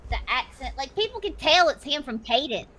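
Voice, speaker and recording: A woman's voice: sing-song, brisk, sharp tone, slight background noise. A woman streamer chatting casually, talkative and swearing freely. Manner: high-pitched, calls own voice annoying. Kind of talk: casual chat.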